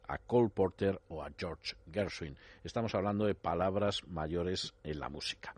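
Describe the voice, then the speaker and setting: A man's voice: on the low side, a little mellow, no room sound. A man hosting a radio music show, presenting songs with enthusiastic commentary, addressing listeners formally and wandering into asides.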